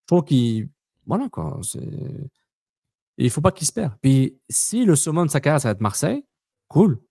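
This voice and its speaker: A man's voice: a little high, sing-song, normal speed, vocal fry, dark tone, no room sound, clean studio sound. A man co-hosting a casual soccer podcast, talking bluntly, repeating himself and slipping in English words. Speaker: podcast co-host.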